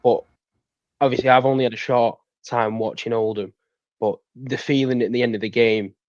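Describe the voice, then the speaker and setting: A young man speaks in a lowish voice as a podcast guest. The sound is dry and a little dull, and his delivery is casual and conversational. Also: darkish tone, no echo. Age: 20s. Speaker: fan guest. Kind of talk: casual interview chat.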